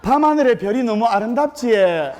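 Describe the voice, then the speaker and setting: A man voicing a young bride who coaxes her husband loudly in Gyeongsang dialect. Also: extremely high pitch, animated, normal speed, slight background noise. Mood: coaxing. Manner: loud, coaxing calls.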